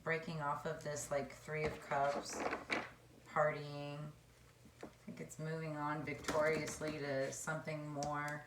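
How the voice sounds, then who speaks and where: A woman with a hoarse voice giving a casual tarot card reading, chatty and meandering as she muses aloud. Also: deep voice, background noise. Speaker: tarot reader. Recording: echoey room.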